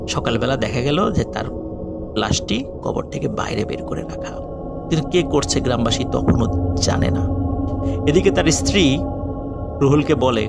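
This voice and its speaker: A man's voice: mid-range voice, gravelly. A man telling a horror story to his listeners, addressing them directly and rising in emphasis. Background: eerie background music.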